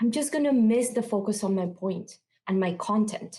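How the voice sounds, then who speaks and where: Ordinary pitch variation marks this somewhat breathy voice. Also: woman. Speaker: product leader. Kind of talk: conference talk.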